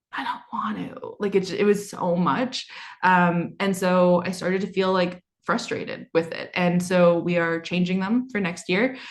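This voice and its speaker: A woman speaks with a Toronto accent at a fairly slow pace. Her intonation stays fairly even. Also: medium pitch for a woman. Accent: Toronto, drops T sounds. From Canada, Toronto. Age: 30s. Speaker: business coach. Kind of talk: live workshop.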